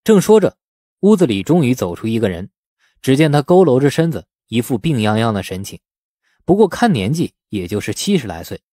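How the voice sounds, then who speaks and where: A man narrates an audiobook novel in a husky, mellow voice. His storytelling rises and falls in lively swings of pitch. The sound is dry and close to the microphone. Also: brisk, no room sound.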